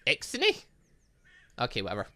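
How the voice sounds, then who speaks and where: A man's voice: mid-range voice, wildly swooping pitch, normal speed, bright, forceful tone, no room sound, studio quality. A man reading game dialogue aloud in a let's play, adding his own commentary and often stumbling over words and correcting himself. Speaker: gaming YouTuber reading a visual novel aloud.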